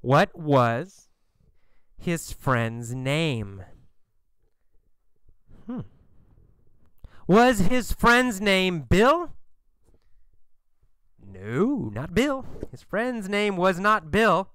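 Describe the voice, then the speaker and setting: Very slow, animated story-lesson teacher. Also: medium pitch, clean tone, dry recording, clean studio sound. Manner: repetitive, drilling questions and answers; emphatic, exaggerated delivery. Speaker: English teacher. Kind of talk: question-and-answer story lesson.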